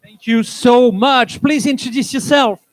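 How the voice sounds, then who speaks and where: A man hosting a live event on stage as an energetic emcee who hurries people along. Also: very high-pitched, measured pace, no room sound, low-quality recording. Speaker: event host.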